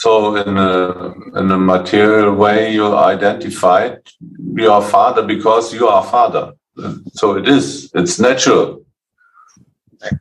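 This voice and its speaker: A man's fairly low voice in a German accent, at a fairly slow pace with long, frequent pauses and ordinary pitch variation, over a quiet background. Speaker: devotee. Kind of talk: religious discussion. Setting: video call. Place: home room. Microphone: video call.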